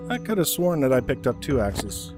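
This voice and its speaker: A man's voice: medium pitch, very animated, brisk. A man giving casual gameplay commentary on a video game. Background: game music.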